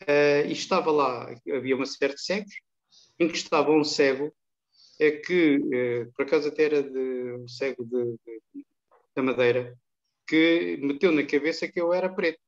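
An older man from Angola, a guest in an interview over a video call, telling anecdotes in a calm, chatty way. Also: fairly high pitch, normal speed. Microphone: webcam on a video call. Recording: dull, lo-fi video call audio.

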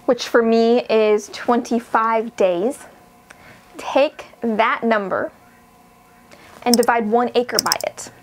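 A young woman, a shepherd, explaining grazing in a steady, practical instructional lesson, recorded indoors at a whiteboard. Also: fairly high pitch, takes it slowly, long pauses, a little hiss or hum. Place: indoors in front of a wooden wall and whiteboard.

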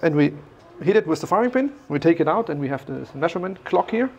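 A man with a German accent walks visitors through a large workshop hall. He explains each step patiently, with lots of fillers and restarts. His voice is slightly high with a gravelly edge, over faint workshop ambience. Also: lively intonation, quick pace, a little mellow, lo-fi sound, slight background noise. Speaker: factory guide. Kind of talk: guided factory tour explanation.

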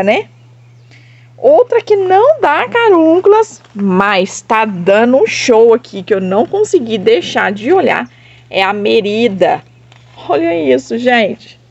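High-voiced gushing woman from Minas Gerais. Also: a little mellow, no echo, dull audio. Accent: southern Minas Gerais Portuguese. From Brazil. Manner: gushing, enthusiastic, addresses viewers often. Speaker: succulent grower and seller. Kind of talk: casual plant showcase to followers.

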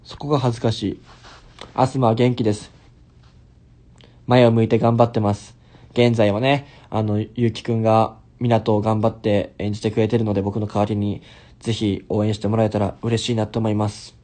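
A man's voice: lowish voice, level tone, normal speed, warm tone. A man in his twenties, a Japanese speaker with a Kansai accent, chatting casually on a livestream as he reads out comments and slips in simple English phrases. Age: 20s. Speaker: stage actor hosting a livestream. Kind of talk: casual livestream chat, reading out viewer comments. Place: small indoor bedroom or hotel room. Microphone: phone held close while lying on a bed.

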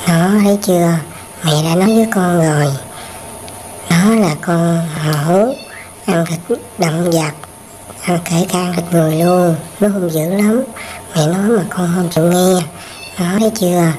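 A woman's voice: lowish voice, measured pace, mellow, lightly acted. A woman voicing a scolding but grateful mother in a cartoon, admonishing and repeating herself. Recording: faintly noisy home-made cartoon dub.

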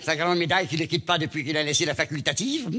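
A comedian telling a comic stage monologue in a stammering, naive way full of wordplay. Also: male voice, on the high side, quick pace, pushed and bright, some chatter behind.

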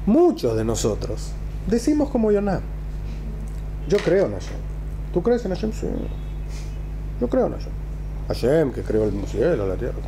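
A man's voice: fairly high pitch, huge pitch swings, measured pace, long pauses, background noise. A man, a rabbi teaching a religious text in a conversational way, with rhetorical questions and emphatic repetition. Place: small classroom, indoors.

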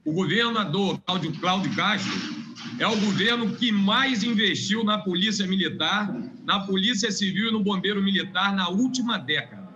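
High bright-voiced male legislator, emphatic. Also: normal speed, highs cut off. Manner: emphatic, repeats points for weight. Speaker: state legislator. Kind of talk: formal parliamentary speech. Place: legislative chamber.

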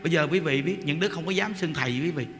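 A Buddhist monk with a Southern Vietnamese accent gives a sermon in a lively, colloquial way, acting out little exchanges. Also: male voice, a little high, fast talker. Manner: animated, colloquial, acts out exchanges. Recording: long hall reverb, faint noise.

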